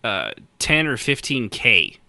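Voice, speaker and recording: A man's voice: medium pitch, big pitch swings, takes it slowly, bright, forceful tone, no room sound, clean studio sound. A man in his late thirties chatting casually as a podcast co-host, rambling and joking with some swearing. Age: late 30s.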